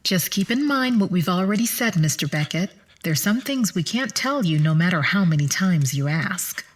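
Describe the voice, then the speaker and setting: An actress plays a composed immortal attendant in an audio drama, precise, polite and guardedly patient. Her fairly low female voice is expressive at a normal speed, and the mood is calm and guarded.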